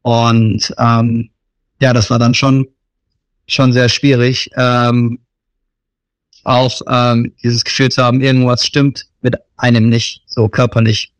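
A man's voice: mid-range voice, flat delivery, slow, smooth, no echo, low-quality recording. A man in his thirties, born in Germany, answering interview questions in a hesitant, casual way with many fillers. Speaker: missionary interview guest.

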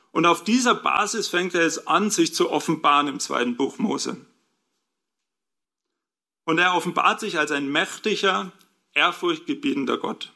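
Bright-voiced man preaching a sermon. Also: on the high side. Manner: explains scripture and asks the congregation rhetorical questions.

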